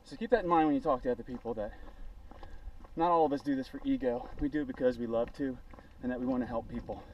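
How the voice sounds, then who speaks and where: A man's voice: mid-range voice, quick pace, muffled recording. A man in his forties talks casually and encouragingly to a camera at arm's length while running outdoors, sounding exerted. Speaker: running vlogger. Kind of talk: casual motivational chat to camera. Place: outdoors on roadside paths, in wind. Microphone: action camera held at arm's length. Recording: windy outdoor action camera, distant, noisy.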